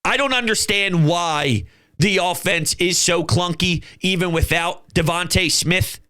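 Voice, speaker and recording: A man's voice: high-pitched, a little slow, pushed and bright, clean tone. A man hosting his own fan channel, talking football in an emphatic, fired-up way and swearing now and then. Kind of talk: fan commentary vlog.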